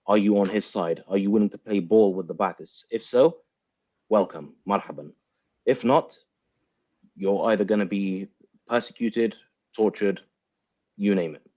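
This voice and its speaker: A man's voice: fairly low pitch, normal speed, long pauses, mellow, lo-fi sound. A man speaking as a guest analyst in a political panel, thinking aloud in circling phrases and posing rhetorical questions. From grew up in the West, of Iraqi background. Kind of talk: spoken political analysis in an online panel debate.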